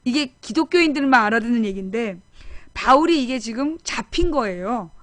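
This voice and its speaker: Middle-aged woman hosting a casual political stream; slightly high, insistent delivery with repetition; dry close-miked sound. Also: brisk, no echo. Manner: emphatic, animated, repeats phrases for effect. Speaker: political talk show host. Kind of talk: casual live-stream monologue.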